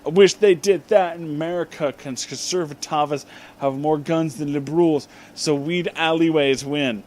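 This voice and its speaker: A man's voice: on the high side, fairly even intonation, darkish tone. A man reading fan fiction aloud as a comedic dramatic reading, pronouncing the misspellings just as written and adding asides. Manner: deliberately reads misspellings as written.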